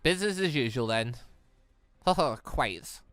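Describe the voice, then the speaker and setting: A man hosting a let's play, reading visual novel dialogue aloud in an animated way and reacting excitedly as he goes. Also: mid-range voice, takes it slowly, dry recording, soft background music. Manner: animated, stumbles while reading and exclaims at the story.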